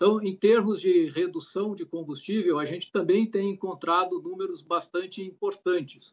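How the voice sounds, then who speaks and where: Over a quiet background, a man with a high pitch talks at a moderate pace. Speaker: company sales director. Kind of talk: interview answer. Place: home room. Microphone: video call.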